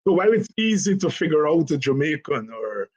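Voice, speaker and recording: A middle-aged man from Guyana with a Guyanese accent, hosting a casual political talk in an unhurried, musing way with many fillers and restarts. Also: fairly high pitch, big pitch swings, highs cut off. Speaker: host.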